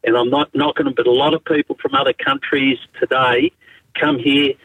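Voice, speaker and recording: A man with a broad Australian accent calls in to a talk radio show. He speaks bluntly and in a matey way. His voice is a little husky, and the line sounds dry. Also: medium pitch, little pitch movement, normal speed, no room sound, narrow, tinny audio. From Spain. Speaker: caller.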